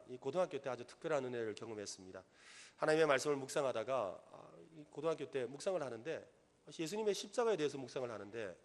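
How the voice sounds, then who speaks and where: A middle-aged man preaching a sermon as pastor in a church, earnest, rising to loud emphatic peaks. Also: on the high side. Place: church sanctuary.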